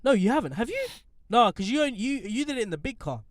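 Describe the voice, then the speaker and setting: A man's voice: very high voice, fast talker, dry recording, clean studio sound. A young man with a London accent hosting a casual, joking podcast from inside a parked car. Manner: animated, playful, joking. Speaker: podcast host.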